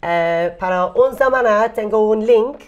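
A woman in her forties, a native English speaker, answering interview questions haltingly in accented, non-native speech, searching for words. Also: mid-range voice, darkish tone, highs cut off. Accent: English-speaker's accent in Spanish. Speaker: interview guest, event organiser. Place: indoor room, seated interview.

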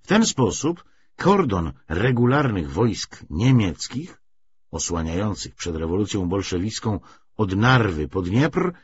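A man reading a literary audiobook in an expressive, measured, scripted narration style. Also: fairly low pitch, husky. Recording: dull, slightly muffled lo-fi audio.

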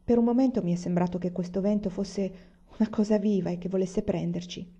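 A woman's voice: fairly even intonation, a little fast, dark tone, slightly rough. A woman voicing a weary middle-aged pioneer father in a read-aloud story. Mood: steady. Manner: booming defiance against the storm.

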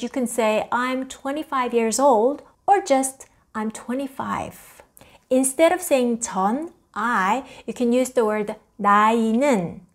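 A woman in her thirties with a slightly high voice explains language patterns to learners. She is patient and clear, slowing down whenever she translates an example. Close lapel-mic sound from a small indoor studio. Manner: patient, explanatory, slows down for English glosses. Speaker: Korean language teacher. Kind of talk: online language lesson.

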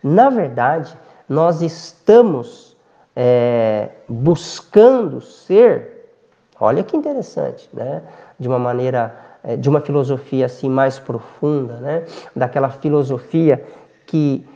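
A man giving a spiritist lecture, speaking slowly and reflectively, with frequent hesitant fillers between phrases. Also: medium pitch, animated, mellow, highs cut off.

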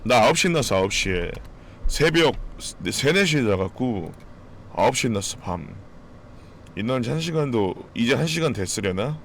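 A man chatting casually with his live-stream audience, joking, swearing freely and breaking into sudden loud outbursts. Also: mid-range voice, expressive, moderate pace, slight background noise. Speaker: game streamer.

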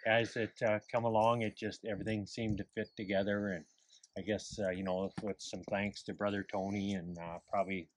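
A man's voice: on the low side, little pitch movement, brisk. A middle-aged man telling a rambling story about his barn outdoors, with plenty of fillers and chuckles. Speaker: barn owner. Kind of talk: casual storytelling. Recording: outdoor camera audio with clear background noise.

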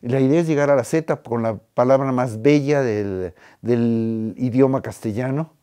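A man's voice: medium pitch, unhurried, dark tone. A man, a film critic and author, giving interview soundbites emphatically, with restarts and fillers.

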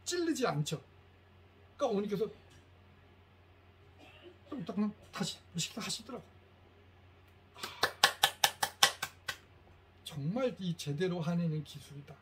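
Animated higher-voiced male lecturer. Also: a little slow, pauses often, slight background noise. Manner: animated storytelling, acts out quoted lines. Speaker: lecturer for parents.

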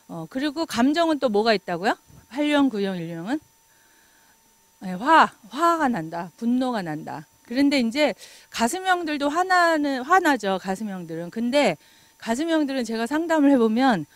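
A middle-aged woman giving a lecture in an animated way, laughing often and acting out remarks. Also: a little high, no room sound.

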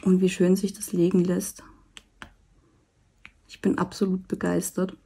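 A woman vlogger chatting casually while she does a diamond painting, rambling with many fillers and soft asides. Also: on the low side, monotone, unhurried, vocal fry, slightly rough. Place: indoors at a table. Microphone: camera over the work table, hands seen.

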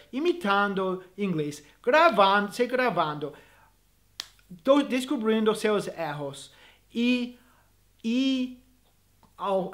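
A man who teaches English, giving earnest, encouraging advice to viewers in a video lesson, with frequent restarts and small grammar slips as he speaks Portuguese as a learner. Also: high-pitched.

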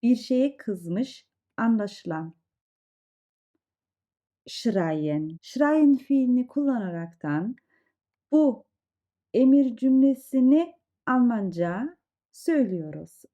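A woman's voice: a little high, lively intonation, slow pace, long pauses, mellow. A woman teaching a language lesson, explaining example sentences with conversational asides. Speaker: German teacher. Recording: dull lo-fi sound.

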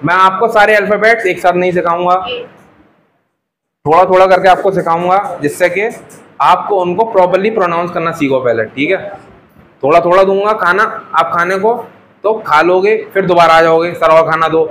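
A young man with a fairly high voice, teaching a live class in a classroom with a faint hum of room noise behind him. His manner is patient and playful, joking with the students as he drills sounds. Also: normal speed, fairly bright tone, rough recording. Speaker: Russian language teacher.

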